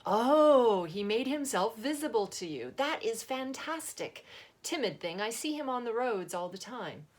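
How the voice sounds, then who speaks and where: Lady doing a chatty old english organ grinder guy, soft-spoken, giggly, a bit raised pitch. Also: very animated, measured pace. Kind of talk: storybook character reading.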